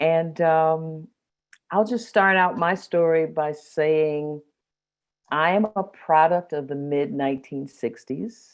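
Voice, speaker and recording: A woman talks at a very slow pace. Her pitch is very deep and low, with ordinary variation. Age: 60s. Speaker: panelist, caretaker. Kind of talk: storytelling. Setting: web conference.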